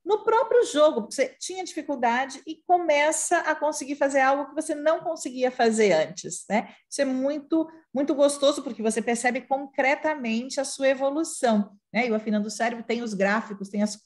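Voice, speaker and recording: A woman from Brazil runs a roundtable as a therapist. She explains concepts and tags her phrases with questions. Her voice is a little higher than average. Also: animated, a little fast, hardly any pauses. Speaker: speech therapist moderating. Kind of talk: roundtable moderation.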